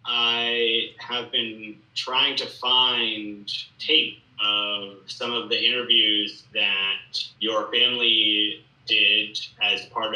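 A man speaking as an interviewer in a measured way, recorded in an echoey, distant, slightly dull sound. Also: lowish voice, bright, forceful tone. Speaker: documentary interviewer.

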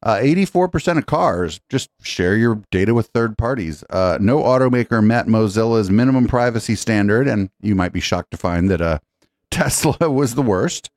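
Man, very low voice, dry close sound; casual, joking podcast panelist. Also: animated, normal speed, a little mellow, no room sound. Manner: rambling, joking, many fillers. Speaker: podcast panelist presenting news stories. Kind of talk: casual tech news chat.

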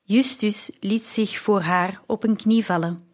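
A woman narrating a story in the first person, with a slow, measured reading. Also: medium pitch, fairly even intonation. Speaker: audiobook narrator.

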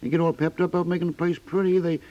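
An actor playing a meek, apologetic henpecked husband, hesitant and stammering, in a 1950s radio comedy. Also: male voice, on the high side, flat delivery, rapid-fire, warm tone, lightly acted. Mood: wistful admiration. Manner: hesitant, mumbling agreement, stammering. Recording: dull 1950s radio recording.

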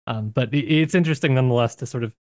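A man's voice: mid-range voice, racing, a little mellow, dry recording, studio quality. A man co-hosting a book discussion podcast, talking in a thoughtful, searching way with frequent restarts. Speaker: podcast co-host.

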